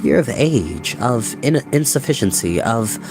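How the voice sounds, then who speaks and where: A man reading a fantasy storybook as a grave, sorrowful guide of an enchanted kingdom, solemn and measured, with music behind. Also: mid-range voice, sing-song, pitched below the performer's own voice, poor audio.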